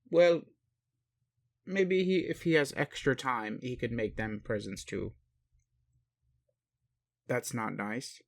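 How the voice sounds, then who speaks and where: A man playing a bemused, gentle and naive male alien caregiver in an intimate roleplay audio, speaking hesitantly and haltingly. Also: mid-range voice, no echo, studio quality. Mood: sheepish. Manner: hesitant, puzzled, halting, sighing. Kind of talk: intimate one-sided roleplay audio acting.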